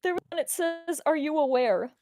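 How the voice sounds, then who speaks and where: A woman's voice: sits high, moderate pace, warm tone. A woman co-hosting a casual podcast chat, using a playful, mock-serious tone.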